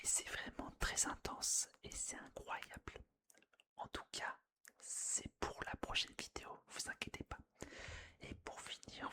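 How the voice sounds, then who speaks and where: Slow whispered ASMR, right in your ear. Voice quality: breathy, unvoiced whisper. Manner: slow, soothing, repeats phrases softly. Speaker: gaming ASMR video creator. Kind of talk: whispered ASMR gameplay narration.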